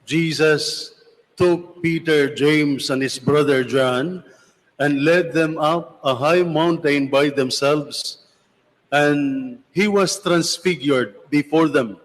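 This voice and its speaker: Priest, slow solemn homily, slightly high voice, long cathedral echo. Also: male voice. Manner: measured, solemn delivery with repeated phrases. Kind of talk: gospel reading and homily. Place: church. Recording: long church reverb.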